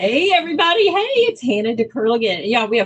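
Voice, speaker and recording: Somewhat breathy and very fast, a woman speaks at a fairly high pitch with very wide pitch swings. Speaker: presenter at online sales meeting. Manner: very fast talker.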